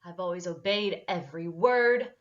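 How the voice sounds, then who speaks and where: A woman's voice: fairly low pitch, moderate pace, close to an everyday voice. A woman playing a volatile, wounded, defiant teenage girl in a dramatic table read, over dull lo-fi audio. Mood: hysterical mockery. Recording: dull, lo-fi online call audio.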